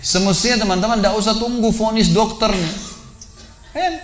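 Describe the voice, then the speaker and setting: A man preaching a sermon in a mosque, telling a story with dramatic swings between loud and hushed delivery. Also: steady tone, noisy background. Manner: fast, storytelling, dramatic swings in pitch and loudness.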